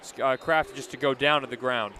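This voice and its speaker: A man's voice: mid-range voice, fairly even intonation, fairly quick, sharp tone, slight background noise. An American man giving live basketball analysis as a color commentator.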